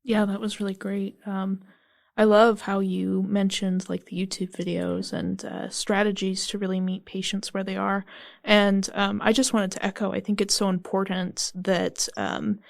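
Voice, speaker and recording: A woman's voice: mid-range voice, little pitch movement, normal speed, creaky, dry recording, clean studio sound. A young adult woman interviewing a guest, friendly and affirming as she responds. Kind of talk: interview questions.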